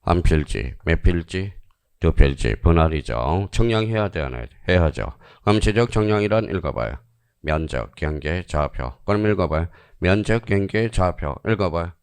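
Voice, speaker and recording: A man teaching an online exam-prep lecture, drilling students with quick questions and answers and repeating key phrases for emphasis. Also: low-pitched, lively intonation, darkish tone, clear, resonant tone, dry recording.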